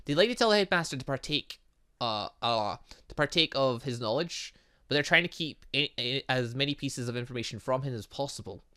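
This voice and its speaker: Animated, bright-voiced man reading game dialogue. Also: medium pitch, a little fast, clean tone. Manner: stumbles over words when reading, self-correcting. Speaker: gaming video host. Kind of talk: casual let's-play, reading game dialogue aloud with asides.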